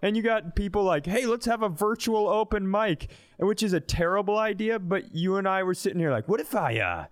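A middle-aged man with a somewhat high voice banters as a comedy podcast host. His pitch swings widely as he acts out quotes, and he swears freely in a casual, animated style. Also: brisk, hardly any pauses.

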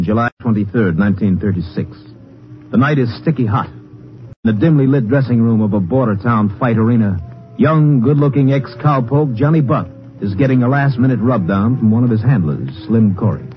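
An American man narrating deliberately in the scripted style of 1950s radio drama. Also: medium pitch, animated, faint music behind, natural voice. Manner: deliberate, scene-setting. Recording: muffled old radio broadcast.

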